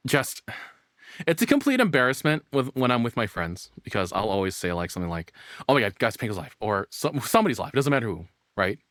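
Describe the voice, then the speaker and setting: A man doing casual live reaction commentary as a streamer, excitable and rambling, swearing freely. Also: medium pitch, fast, dry recording, studio quality. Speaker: VTuber streamer reacting to videos.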